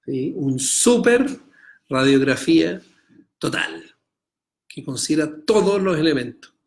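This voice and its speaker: Chilean rabbi, middle-aged man, somewhat high voice, reads Hebrew then explains, teaching-class energy. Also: very animated, unhurried, vocal fry. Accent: Chilean Spanish. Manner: explains by reading Hebrew text then translating, asks students rhetorical checks. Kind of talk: online Torah class.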